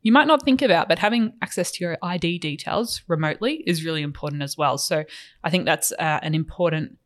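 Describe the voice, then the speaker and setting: A podcast co-host explaining finances in a steady, measured way with some filler words. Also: medium pitch.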